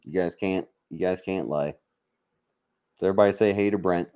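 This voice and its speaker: He speaks briskly in a low, somewhat mellow voice while hosting a livestream. The Mississippi-born American veteran jokes with his viewers casually, bluntly and with plenty of swearing.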